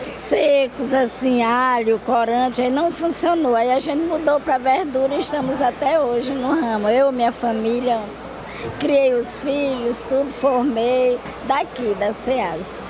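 A woman's voice: sits high, a little slow, poor audio. An older woman answering a street interview at an outdoor produce market, talking plainly and unhurriedly into a handheld mic. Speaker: market vendor. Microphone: handheld reporter mic. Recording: busy market crowd behind.

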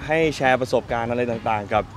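A man in his thirties chatting in a friendly, halting way to press microphones at an outdoor park event. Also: medium pitch, steady tone, soft background music. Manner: friendly, pausing, polite particles. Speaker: celebrity guest at a charity run. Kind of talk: casual press interview. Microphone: press microphones held close.

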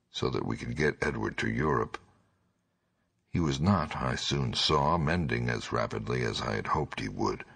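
Extremely deep, gravelly male narrator. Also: a bit bright. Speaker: audiobook narrator. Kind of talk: scripted horror story narration.

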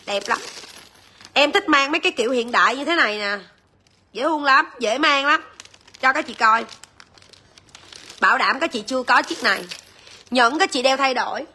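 A woman's voice: high voice, lively intonation, normal speed, long pauses, bright, forceful tone, a little hiss or hum. A woman, chatting straight to viewers as she sells jewelry on a livestream. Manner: chatty, addresses viewers directly. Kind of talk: live-selling chat.

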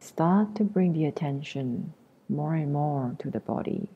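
Low, slow, breathy woman guiding meditation. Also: dull audio. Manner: gentle, unhurried, long pauses between short phrases. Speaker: meditation teacher. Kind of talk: guided meditation.

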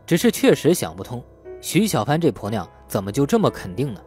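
A man's voice: mid-range voice, wildly swooping pitch, fairly quick, darkish tone, faint music behind. A man voicing a cheeky, defiant male suspect in an audiobook, argumentative and insolent. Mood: inward grumbling.

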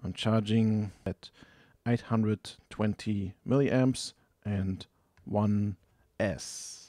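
A man's voice: fairly low pitch, fairly even intonation, very slow, warm tone, no echo. A man narrating a hands-on technical tutorial in a methodical, explanatory, matter-of-fact manner. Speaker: tutorial presenter.

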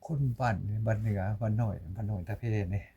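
A man's voice: lowish voice, level tone, fast talker, mellow, husky, dull audio. Older Isan man, plain talk. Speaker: villager interviewee. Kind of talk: casual chat.

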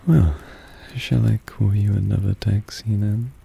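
A man playing a suave, possessive vampire in intimate ASMR roleplay, soft, teasing and soothing, often dropping into a whisper. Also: lowish voice, steady tone, a little slow, vocal fry, breathy edge, heavily acted. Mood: fond, teasing.

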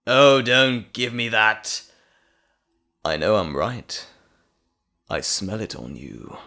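Casting: sinister evil-twin villain for audio roleplay, slow, savoring pace, highly animated pitch, mocking and gloating. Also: male voice, vocal fry, exaggerated voice. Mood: sinister, taunting. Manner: mocking, drawn-out, theatrical delivery with chuckles. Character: gloating, sinister male evil alter ego, theatrical villain.

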